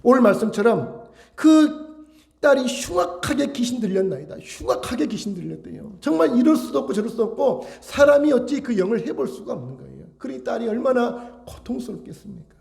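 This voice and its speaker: A man's voice: extremely high pitch, very animated, a little fast, creaky, a little mellow. A male pastor preaching a sermon, emphatic and full of rhetorical questions to his congregation.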